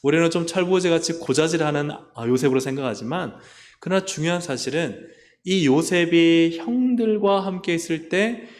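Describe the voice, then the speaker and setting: A man's voice: a little high, animated, moderate pace. Man preaching in a reverberant church. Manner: preaching with questions to the congregation. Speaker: pastor. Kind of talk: sermon. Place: church sanctuary. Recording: long reverb of a church hall.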